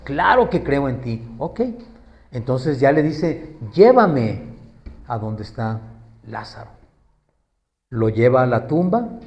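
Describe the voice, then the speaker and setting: A man's voice: medium pitch, very animated, slow, pauses often, a little mellow, muffled recording. A man preaching a sermon in a conversational way, asking the congregation questions and acting out quoted pleas.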